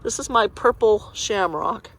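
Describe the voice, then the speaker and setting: A woman's voice: medium pitch, measured pace, creaky, fairly bright tone, a little hiss or hum. A woman chatting casually to camera on a walk through her garden, rambling and sniffling from congestion. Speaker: gardening vlogger. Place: outdoor garden, windy.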